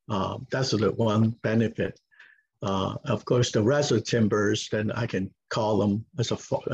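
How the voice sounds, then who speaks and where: Hong Kong-accented man, 50s, husky voice, hesitant interview talk, muffled video-call sound. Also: fairly low pitch. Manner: halting, many fillers and restarts. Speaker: farm owner, guest. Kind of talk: casual interview answers. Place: home room with log walls, indoors.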